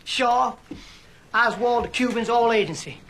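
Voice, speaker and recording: An actor playing a paranoid, disgraced middle-aged former priest and spy, profane and rambling, in film audio with music. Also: male voice, very high-pitched, unhurried, a little hiss or hum, heavily acted. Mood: nervous. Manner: profane, rambling, panicky outbursts. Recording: film audio with loud score.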